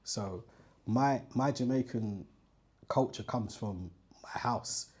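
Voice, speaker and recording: A man born in the United Kingdom co-hosting a podcast, talking in a relaxed, casual way with lots of "yeah"s and acted-out quotes. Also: mid-range voice, takes it slowly, breathy edge. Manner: relaxed, many "yeah"s, acts out quoted voices. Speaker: podcast co-host. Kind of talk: casual chat. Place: indoor podcast studio.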